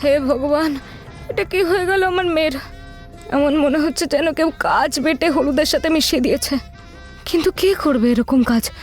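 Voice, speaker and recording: একজন মহিলা অডিও ভূতের গল্পে কনের উদ্বিগ্ন, বিনীত মায়ের ভূমিকায় কাতর ভঙ্গিতে কথা বলছেন।. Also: female voice, high voice, moderate pace, faint music behind, natural voice. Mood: distressed, worried. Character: anxious, deferential village mother of a bride. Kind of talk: audio horror story dialogue.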